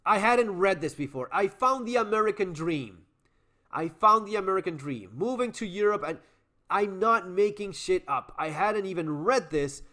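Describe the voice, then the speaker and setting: Brief: male host with a slightly high voice, emphatic and lively, swears casually while reacting to what he reads. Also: normal speed. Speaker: channel host. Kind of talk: casual commentary reading online comments.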